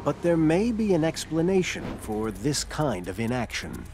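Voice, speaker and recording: A man narrating a documentary in a measured, dramatic scripted voice-over. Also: a little high, sing-song. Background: loud music score.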